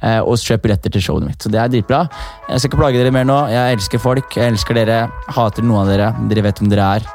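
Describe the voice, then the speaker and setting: A man's voice: lowish voice, darkish tone, faint music behind. A young man hosting a casual podcast, brash and joking, swearing freely and mixing English slang into his talk. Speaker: podcast host and comedian.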